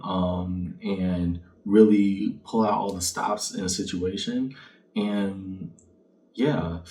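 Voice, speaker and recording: A man with a fairly low voice gives a tarot reading in a conversational fortune-teller manner. He is reflective, posing questions straight to the listener. He sounds slightly away from the mic, with faint noise in the recording. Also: dark tone, recorded from a distance, rough recording. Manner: reflective, addresses listener directly, rhetorical questions. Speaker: tarot card reader, channel host.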